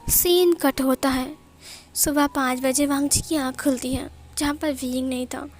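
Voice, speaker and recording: A woman's voice: high voice, fairly even intonation, unhurried. A woman narrating a fan fiction story, reading all the dialogue in her own voice with little acting. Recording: faint background music.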